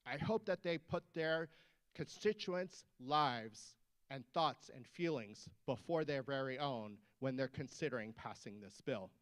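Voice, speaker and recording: A man's voice: mid-range voice, unhurried, a bit bright. A man who is a physician giving an emphatic rally speech inside a state capitol building and urging the audience on. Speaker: physician speaker.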